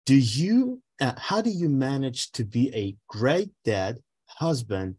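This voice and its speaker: A man's voice: mid-range voice, sing-song, slow pace, a little mellow, husky. A man hosting a video call interview, reading out audience questions in an upbeat way. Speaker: host.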